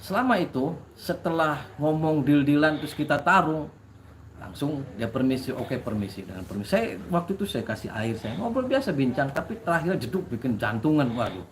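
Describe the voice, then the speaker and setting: A man's voice: on the high side, big pitch swings, brisk, slight background noise. A man who works as a spiritual practitioner, telling a dramatic personal story to his listeners with frequent restarts.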